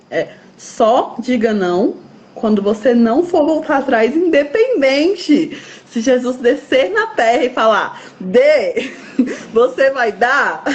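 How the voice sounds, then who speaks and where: A woman's voice: on the high side, muffled recording. A Brazilian woman, a guest specialist, explaining step by step and acting out what parents and children say. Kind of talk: explanatory interview talk.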